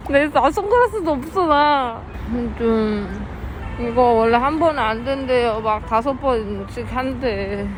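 Whiny high-voiced woman vlogging outdoors. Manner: whiny and self-mocking, laughing through complaints. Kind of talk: casual vlog chat. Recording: noisy street background.

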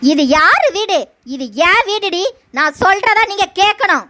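Woman voicing a squeaky bossy cartoon mother-in-law. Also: expressive, measured pace, background noise. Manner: domineering, scolding. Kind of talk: cartoon voice acting.

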